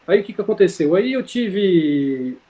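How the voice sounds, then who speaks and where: A man's voice: high-pitched, lively intonation, unhurried, mellow. A man telling a personal story in casual conversation, rambling with many fillers and self-corrections, heard over a video call. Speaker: interview guest.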